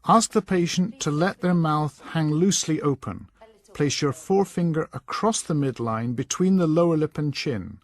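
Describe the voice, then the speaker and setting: A man reading scripted instructional narration in a measured, instructing manner. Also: on the high side, lively intonation, no echo. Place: dry voice-over recording.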